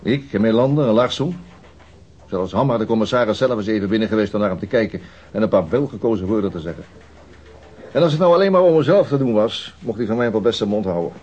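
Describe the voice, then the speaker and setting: An actor playing a mild-mannered senior police detective in a radio drama, dry and understated. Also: male voice, lowish voice, expressive, fast talker, a little mellow, slightly rough. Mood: weary, exasperated. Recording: muffled, noisy old radio drama recording.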